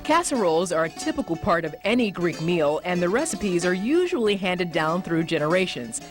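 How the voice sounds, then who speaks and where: A woman's voice: on the low side, sing-song, normal speed. A woman host delivering scripted narration for a TV show in a polished, upbeat way. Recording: music bed under the voice.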